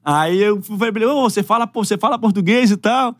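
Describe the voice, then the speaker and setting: Man, young adult, from Brazil, footballer guest, slangy storytelling, quick. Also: high-pitched, no room sound. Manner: laid-back slangy storytelling. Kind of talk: casual storytelling.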